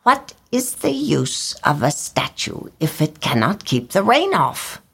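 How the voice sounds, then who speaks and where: A woman's voice: fairly low pitch, sing-song, slow, gravelly, fairly bright tone, breathy edge, full character voice. A woman voicing a vain, fussy little male swallow in a storybook reading, talking in a chirpy, self-important way. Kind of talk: storybook character voice.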